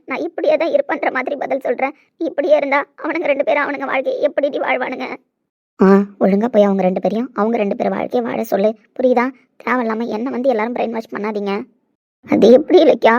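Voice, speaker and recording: A woman playing an anguished middle-aged mother in a family web drama, swinging between pleading and scolding. Her voice sits a little high and the words pour out fast. The delivery is emotional and pressing. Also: gravelly, muffled recording. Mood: desperate. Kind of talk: Tamil web-series acting.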